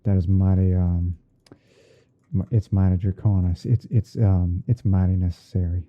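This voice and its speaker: A man playing a gentle, easygoing TV painting instructor in a halting, murmured ASMR livestream roleplay. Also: sits low, flat delivery, dull audio, natural voice. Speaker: livestream host. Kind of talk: ASMR roleplay livestream while editing images.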